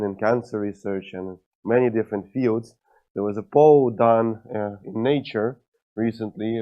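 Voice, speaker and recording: A man's voice: on the low side, a little mellow. Lo-fi Russian-accented man giving a lecture. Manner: frequent "uh" fillers, wry humor. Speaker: scientist giving a conference talk. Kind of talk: conference lecture. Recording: lo-fi dull sound.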